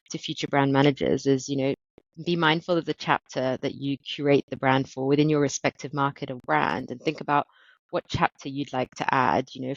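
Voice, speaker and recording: A woman's voice: extremely low pitch, no echo. Woman, 30s, from South Africa; considered interview guest who restarts phrases; dry, slightly dull recording. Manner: thoughtful, repeats words while finding phrasing. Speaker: guest, marketing director. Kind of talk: interview answers.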